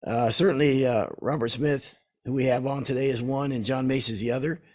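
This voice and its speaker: Man, hoarse, podcast co-host, casual banter, rambling, restarts sentences. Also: medium pitch, steady tone, fairly quick, darkish tone. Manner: rambling, self-interrupting.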